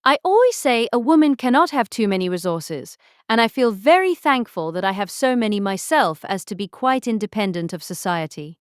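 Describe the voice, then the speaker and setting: An actress playing a vain, self-satisfied young married gentlewoman in a period audiobook drama, chatty, affected and pompous. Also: medium pitch, big pitch swings, normal speed, clean tone, dry recording, studio quality, close to an everyday voice. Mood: smug, affected. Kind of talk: full-cast audiobook period drama acting.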